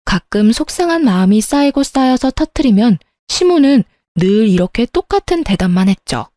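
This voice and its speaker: A woman's voice: on the high side, sing-song, normal speed, mellow, no echo. A woman narrating her own story as a daughter-in-law, earnest and aggrieved when she speaks up. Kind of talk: first-person story narration with acted dialogue.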